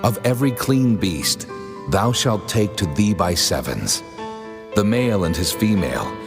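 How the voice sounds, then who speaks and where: A man playing God as a mighty deity, speaking solemn, measured commands in a dramatized scripture reading. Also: lowish voice, sing-song. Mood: grave, commanding. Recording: long hall reverb, music underneath. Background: music.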